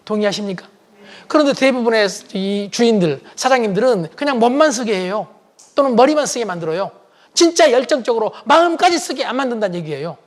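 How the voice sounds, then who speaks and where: A middle-aged man giving a lively public lecture, acting out bits of dialogue and putting questions to the audience. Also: very high voice, brisk. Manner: acts out dialogue, quizzes the audience.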